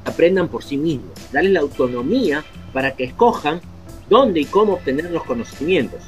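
Man explaining steadily over a video call. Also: a little high.

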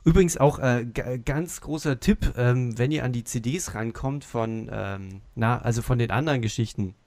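Man, medium pitch, casual chat, podcast panelist, very little room sound. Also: moderate pace, a little mellow, dry recording. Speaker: podcast panelist reviewing audio dramas.

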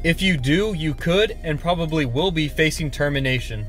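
Young man with a slightly high voice. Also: normal speed, fairly bright tone, faint music behind. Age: 20s. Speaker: YouTuber and warehouse worker giving tips. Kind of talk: casual advice vlog to camera. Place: inside a parked car. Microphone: phone or camera at arm's length.

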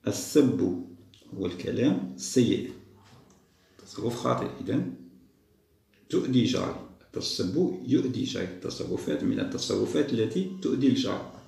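A man patiently walking young schoolchildren through a test, repeating each answer slowly. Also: fairly low pitch, animated, creaky, mellow, reverberant. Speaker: teacher solving a school test. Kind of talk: step-by-step lesson for young children.

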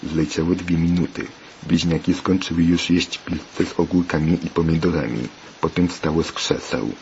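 A man reads a children's story aloud in a slow, flat, plain manner. His voice is extremely deep. The recording is dull and lo-fi, with faint hiss underneath. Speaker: narrator.

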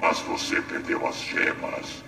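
A man's voice: takes it slowly, bright, forceful tone, echoey room, slight background noise. A man voicing a furious, tyrannical evil mask spirit in a dubbed game, harsh and grandiose. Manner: grandiose, threatening. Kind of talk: dubbed video game cutscene acting. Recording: distant game audio under music.

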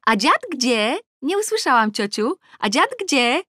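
A woman reading an audiobook voices a cheeky little girl in a high, shrill, shouting voice. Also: big pitch swings, unhurried, no room sound, studio quality, exaggerated voice. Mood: innocent.

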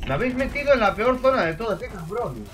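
Excitable Spanish-accented man gaming. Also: high voice, fast talker, far from the mic, a little hiss or hum. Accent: Spain Spanish. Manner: excitable, swears and yells at opponents. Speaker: streamer. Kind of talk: live gameplay commentary.

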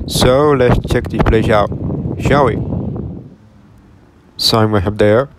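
Young dude from oregon, kinda low voice, matter-of-fact vlog walkthrough. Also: male voice, fairly even intonation, slow pace, slight background noise. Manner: plain, matter-of-fact commentary. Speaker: retail explorer vlogger. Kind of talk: casual walkthrough narration.

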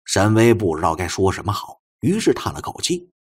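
Guy reading a novel audiobook, raspy voice, super animated pitch, dramatic storytelling. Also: brisk. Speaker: audiobook narrator. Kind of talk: dramatic scripted novel narration.

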